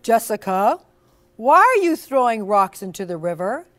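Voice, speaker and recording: A woman's voice: fairly high pitch, big pitch swings, normal speed. A woman storyteller voicing Jeremy, a troubled, plain-spoken young boy in a storybook. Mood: questioning.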